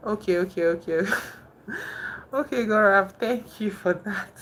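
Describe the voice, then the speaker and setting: A woman's voice: mid-range voice, a little slow, slight background noise. A young Nigerian woman with a Nigerian accent, hosting a casual live stream, chatting with viewers and thinking aloud with many fillers and restarts. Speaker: livestream host.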